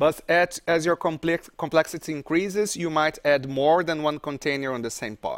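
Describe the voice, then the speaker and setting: The speaker has a Brazilian Portuguese accent and a moderate pace, with ordinary pitch variation. The sound is dry and close, with no echo. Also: man. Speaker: software developer advocate / tech speaker. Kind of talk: tech talk. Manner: hesitant, many fillers.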